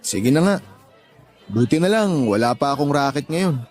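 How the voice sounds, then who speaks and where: Radio drama gay son played by a man: Filipino, sassy, vain, fairly high pitch, light music behind. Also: expressive, moderate pace, a little mellow, close to an everyday voice. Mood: breezy banter. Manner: campy, sassy, joking. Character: cheeky, vain gay adult son who jokes he's a young lady. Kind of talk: Tagalog radio drama acting.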